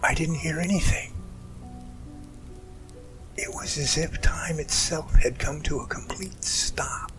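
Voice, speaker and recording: Guy acting as overwhelmed man telling his story in an audio drama, slow halting delivery, faint music behind. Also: on the high side, in a whisper. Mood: shaken, intense. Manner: halting, overwhelmed, breaking with emotion. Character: emotional man recounting a miraculous snowy rescue. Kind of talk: amateur audio drama acting, first-person recollection.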